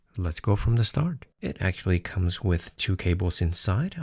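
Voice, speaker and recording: In a dry, close recording with no echo and a silent background, a man with a very deep, low voice talks at a moderate pace in a calm, somewhat breathy tone with ordinary pitch variation. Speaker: tech reviewer and math tutor. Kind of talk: product review. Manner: calm, understated.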